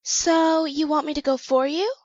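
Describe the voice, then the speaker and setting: Casting: wide-eyed newborn clone played by a woman, high and earnest, dry muffled audio drama sound. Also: steady tone, normal speed, darkish tone, no echo, natural voice. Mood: uncertain, curious. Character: eager, naive young female clone.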